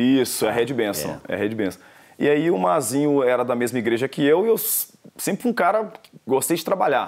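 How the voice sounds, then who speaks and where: The background is quiet as a man talks at a fairly quick pace. He makes very wide pitch swings. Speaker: event presenter and announcer, talk-show guest. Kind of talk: interview answer, casual conversational talk. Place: studio. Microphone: lapel.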